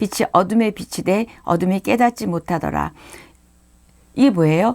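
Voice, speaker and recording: The tone is dark and mellow. The pitch swings very widely. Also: woman. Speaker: pastor teaching Bible course. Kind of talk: lecture.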